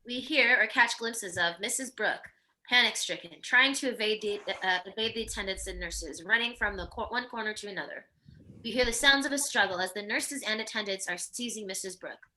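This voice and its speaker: A crisp, bright female voice at an average pitch reads screen directions aloud. It is scripted narration for a table read, moving from one action to the next. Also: fairly quick, a little hiss or hum. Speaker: narrator reading stage directions.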